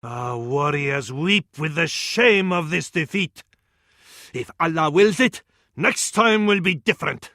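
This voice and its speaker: A fervent Arab battlefield counsellor from a strategy game. The voice sits high and rings out bright and forceful, with an Arabic accent. The delivery is ornate and theatrical, addressed to a sultan, in a very dry, close recording. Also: male voice, animated, takes it slowly, dry recording, full character voice. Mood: mournful. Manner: ornate, dramatic, proverb-laden delivery. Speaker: military advisor in a strategy game. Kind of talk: theatrical video game voice acting.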